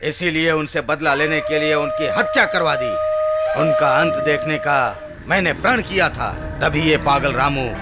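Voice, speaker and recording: A man's voice: a little high, close to an everyday voice. A man playing a fanatical, menacing occult priest in a dubbed film melodrama, chanting grandly and boasting. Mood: confessing coldly. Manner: chanting, grandiose, drawn-out delivery. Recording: loud background music over dubbed voice.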